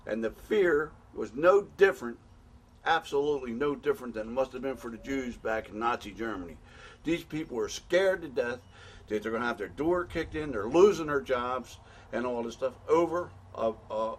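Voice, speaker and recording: A middle-aged American man making an impassioned spoken appeal, blunt and angry, pleading and repeating himself with many restarts. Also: medium pitch. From United States. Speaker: patient advocate.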